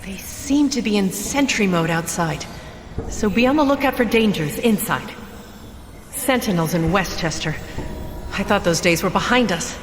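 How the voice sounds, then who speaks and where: A woman's voice: mid-range voice, expressive, normal speed, natural voice. A woman playing a kind, experienced psychic mentor in an audio drama, guiding a recruit with earnest reassurance. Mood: concerned. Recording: echoey, reverberant, noisy.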